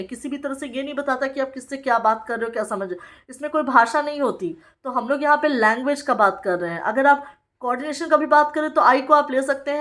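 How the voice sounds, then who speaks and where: ऊँची आवाज़ वाली शिक्षिका, धीमी व्याख्या. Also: female voice, sits high, fairly bright tone. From Bihar, India. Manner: reads English lines slowly, then explains in Hindi; frequent "ठीक है" check-ins with the listener. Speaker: Montessori teacher trainer. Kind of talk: explanatory lecture.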